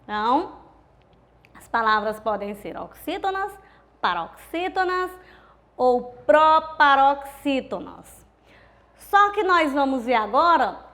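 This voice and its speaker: A woman teacher with a Brazilian accent giving a recorded grammar lesson, explaining slowly and asking rhetorical questions. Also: high voice, a bit bright. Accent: Brazilian Portuguese. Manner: slow, deliberate explanation, counting syllables aloud; asks rhetorical questions to the class.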